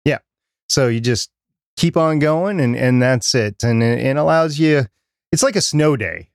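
A man's voice: medium pitch, measured pace, creaky, smooth, no echo, clean studio sound. A middle-aged man co-hosting a podcast about podcasting, chatting casually and rambling with frequent restarts. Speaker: podcast co-host.

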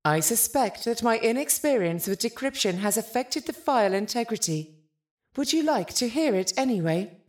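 A woman's voice: fairly high pitch, lively intonation, moderate pace, close to an everyday voice. A woman voicing a polite, literal-minded spaceship artificial intelligence in an audio drama, formal, precise and detached.

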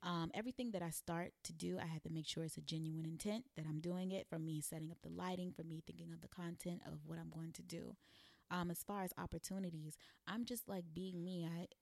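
A young woman in her twenties, from the American South, is talking frankly about her work as a guest. Her voice sits low and has a gravelly fry, and it is recorded close and dry. She fills her speech loosely with "like". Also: fairly quick, no room sound. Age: 20s. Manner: relaxed, candid, lots of "like" fillers. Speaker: guest blogger and content creator. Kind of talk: casual chat.

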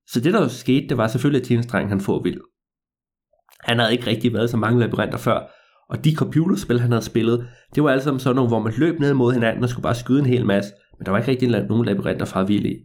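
A man telling a story to listeners in a lively, meandering way, with hesitations and repeats. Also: medium pitch.

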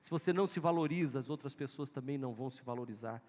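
A male pastor with a Northeastern Brazilian accent preaches an emphatic sermon packed with repeated exhortations. His voice is medium-pitched, quick and somewhat dark in tone. The recording comes from an echoey church hall.

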